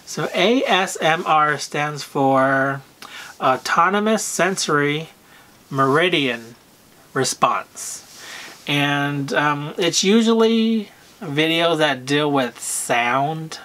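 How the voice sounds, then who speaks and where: A man talking casually to camera about luxury purchases, with a soft, soothing voice and a hesitant manner full of pauses and fillers. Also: fairly high pitch, expressive. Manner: unhurried, hesitant, full of "um" and "you know", frequent throat clearing. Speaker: luxury fashion vlogger.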